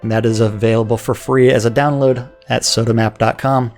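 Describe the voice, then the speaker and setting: A man's voice: mid-range voice, little pitch movement, brisk, darkish tone, faint music behind. A man co-hosting a casual live show, rambling through a community calendar and sponsor reads with stammered restarts and frequent laughter. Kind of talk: casual livestream chat.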